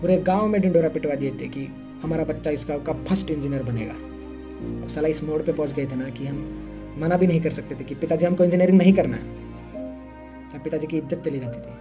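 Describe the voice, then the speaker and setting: A man's voice: a little high, fairly quick, muffled recording, over music, natural voice. A young man, playing a shy, earnest engineering student from a village in a scripted monologue. He talks hesitantly, with many fillers and wry self-mockery. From Uttar Pradesh, India. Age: young adult.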